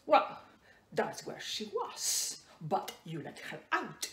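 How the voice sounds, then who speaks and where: An actress playing a prim, disapproving maid to rich people in a comedy sketch. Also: female voice, mid-range voice, wildly swooping pitch, slow, fairly bright tone, reverberant, exaggerated voice. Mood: scandalized. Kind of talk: comedy character acting. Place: small plain room.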